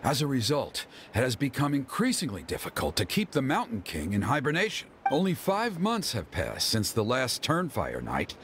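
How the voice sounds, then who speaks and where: An actor playing a stern, proud middle-aged father and tribal elder in a video game, speaking in a formal, measured way. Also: mid-range voice, huge pitch swings, background noise. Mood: grave, explaining. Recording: game audio with loud music. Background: loud game music.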